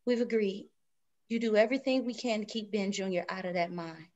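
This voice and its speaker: A woman's voice: mid-range voice, brisk, a little mellow, lo-fi sound, lightly acted. A woman reading the part of a worried, stubborn pregnant wife in her thirties, scolding in rural Southern speech in a drama table read. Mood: worried, firm.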